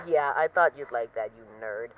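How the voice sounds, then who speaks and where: Female mafia boss, played by a woman, audio roleplay, animated intonation, self-assured, wry, teasing, mock-indignant, slightly muffled recording. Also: low-pitched, measured pace, slight background noise. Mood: teasing, rueful. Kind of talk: intimate audio roleplay monologue as voice messages.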